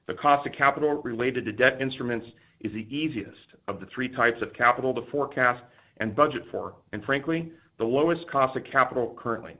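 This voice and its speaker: A man giving a scripted, formal and measured financial presentation as a company executive on an earnings call. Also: medium pitch. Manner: formal, measured corporate delivery. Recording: dull, lo-fi conference call audio.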